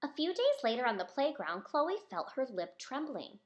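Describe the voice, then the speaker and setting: A woman reads a children's storybook aloud in a fairly high voice with very animated pitch. She is expressive and speaks directly to young listeners. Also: moderate pace, highs cut off. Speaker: children's author reading own book.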